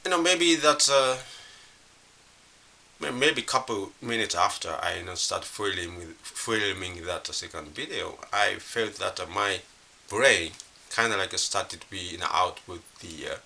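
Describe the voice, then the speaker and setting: A middle-aged man with a Japanese accent, his native language being Japanese, speaks off the cuff in a low voice. It has a heavy creak and a very sharp, forceful brightness. He feels his way along haltingly, repeating himself and leaning on fillers. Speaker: language learner vlogger. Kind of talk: unscripted casual monologue to camera. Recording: hissy recording with faint background noise.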